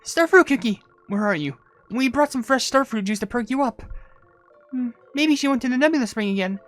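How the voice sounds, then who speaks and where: A woman's voice: fairly high pitch, lively intonation, fairly quick, faint music behind, close to an everyday voice. A woman voicing a small, devoted cookie attendant in a game cutscene, caring, eager and pleading. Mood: concerned. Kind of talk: video game cutscene voice acting.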